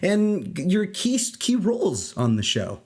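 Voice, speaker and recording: A man's voice: sits high, huge pitch swings, slow, darkish tone, slightly rough. A man hosting a casual roundtable podcast, asking questions in an effusive, enthusiastic way. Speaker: podcast host.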